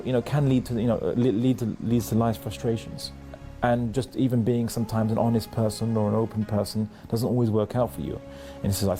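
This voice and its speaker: A young man, talking through his life story in a slow, thoughtful way, stopping often to restart his sentences. His voice sits low and has a gravelly edge. Soft music plays faintly under him. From London, England. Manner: halting, many restarts and fillers, thoughtful. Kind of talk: personal testimony, reflective storytelling.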